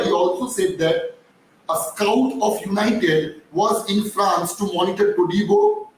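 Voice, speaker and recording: Noticeable background noise sits behind a man's voice. His pitch is high and his intonation fairly even. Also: very even loudness. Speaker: football YouTuber. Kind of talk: live stream commentary. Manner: soft-spoken; halting.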